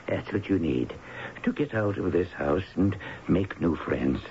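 An American actor playing a kindly older father in a radio mystery drama, reassuring and folksy as he gives gentle advice. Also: deep voice, expressive, a little slow, vocal fry, full character voice. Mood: sympathetic, concerned. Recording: muffled old radio recording, faint noise.

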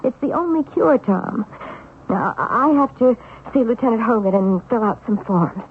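A woman's voice: fairly high pitch, animated, moderate pace. An actress in a 1970s radio drama playing an anxious wife, earnest and reassuring with her injured husband. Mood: soothing, firm. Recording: narrow-band old radio recording, faint noise.

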